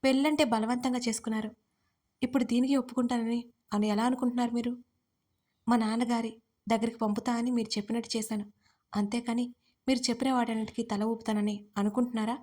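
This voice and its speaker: Tearful young bride for a storybook, read by a woman narrator, pleading but defiant, high pitch. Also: flat delivery, fast talker, dark tone, lightly acted.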